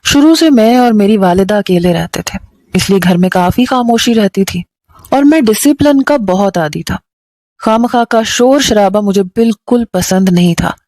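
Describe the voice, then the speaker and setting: A woman storyteller giving scripted first-person story narration in a steady, even delivery. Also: mid-range voice, moderate pace, no echo.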